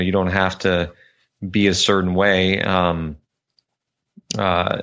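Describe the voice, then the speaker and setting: Deep-voiced man on a dull, muffled line. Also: gravelly, a bit bright. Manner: hesitant, lots of fillers. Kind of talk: casual conversation.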